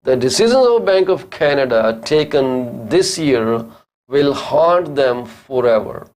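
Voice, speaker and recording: Slow-talking man with an Indian accent. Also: medium pitch, lively intonation, darkish tone. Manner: fires off rhetorical questions; earnest, critical. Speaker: host of a real estate call-in show. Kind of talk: live talk show commentary.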